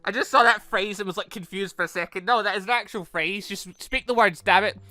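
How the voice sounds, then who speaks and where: A man's voice: high voice, brisk, bright, forceful tone, dry recording. A man hosting a gaming channel, reading through a visual novel with commentary, often stumbling and correcting himself aloud. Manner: stumbles over lines, self-correcting, exclaiming.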